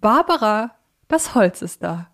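A woman's voice: medium pitch, very animated, measured pace, a bit bright. A woman chatting casually as co-host of a fan quiz podcast.

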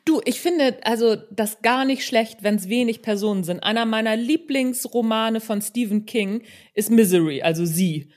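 A woman's voice: a little high, normal speed, hardly any pauses, darkish tone. A woman interviewing a guest in a casual, conversational way.

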